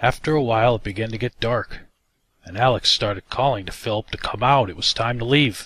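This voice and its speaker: A man talks in a plain, everyday voice at a fairly quick pace, his medium pitch showing ordinary pitch variation. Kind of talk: horror story narration.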